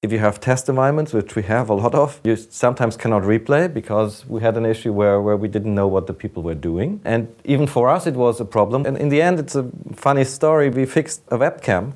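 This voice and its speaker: A man's voice: mid-range voice, brisk, few pauses, darkish tone. A man with a German accent giving explanatory answers as an interview guest. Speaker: data center manager, interview guest.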